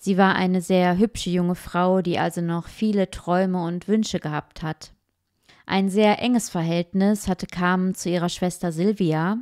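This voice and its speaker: A woman speaks at a moderate pace and a medium pitch, with a warm tone. Her intonation is monotone and flat. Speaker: true crime channel host. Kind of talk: scripted narration of a true crime case, with a personal aside. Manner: personal, warm, addressing the audience.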